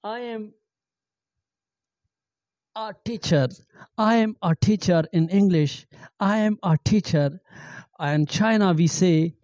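A middle-aged man giving an amateur language lesson, halting and repeating phrases with many fillers, speaking into a handheld microphone in a small room. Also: high voice, dark tone, dry recording, studio quality. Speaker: language teacher. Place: small indoor room with green backdrop.

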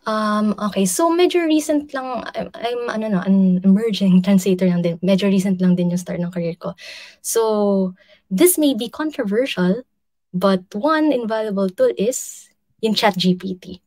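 A woman's voice: mid-range voice, normal speed, darkish tone, no room sound. A young woman with a Filipino accent answering questions on a video call, switching between English and Filipino with many fillers. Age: young adult. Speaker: guest speaker, literary translator. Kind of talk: casual lecture Q&A over video call. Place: indoors, virtual city background. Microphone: video call, earphones.

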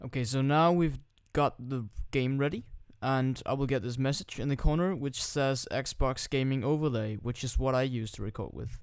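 A man's voice: medium pitch, moderate pace, hardly any pauses, clean tone, no room sound, studio quality. A Danish teenage boy putting on a British accent, casually rambling and joking crudely through a gaming tutorial on a new desktop microphone. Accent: put-on British accent. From Denmark. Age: teens. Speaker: gaming YouTuber. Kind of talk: casual screen-recording tutorial commentary.

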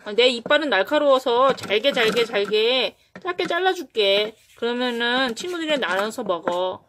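Toy puppet dog woman performer: friendly, gentle, higher pitch. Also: animated, moderate pace, slight background noise.

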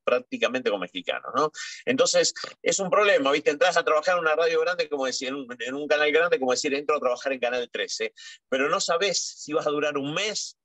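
A man's voice: on the high side, a bit bright, no echo. Chatty Argentine man, dry sound. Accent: Rioplatense Spanish. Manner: chatty, repeats words while searching. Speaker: guest journalist. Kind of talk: conversational interview.

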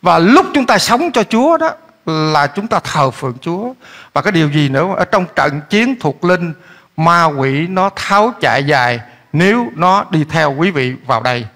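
Man, pastor, high voice, lively questioning sermon. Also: normal speed. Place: church hall. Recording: echoey church hall.

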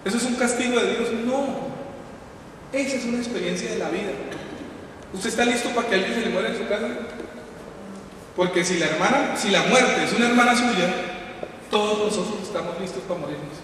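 A priest preaching a sermon, shouting at its peaks and then sinking low and quiet. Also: male voice, a little fast, pauses often, a little hiss or hum. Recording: echoey hall from far off.

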